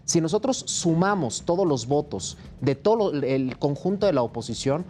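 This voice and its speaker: A man from Mexico, a political guest on a panel show, arguing his points in an emphatic, steady way. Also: fairly high pitch, moderate pace, slight background noise. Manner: emphatic, argumentative. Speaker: opposition party politician guest.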